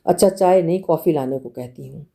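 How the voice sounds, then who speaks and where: A fussing, affectionate lady offers comfort and tea, as a woman narrator acts her out. She talks in a doting, reassuring way with a dark, mellow tone. It is heard in a storybook audiobook reading. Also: low-pitched, a little fast, creaky.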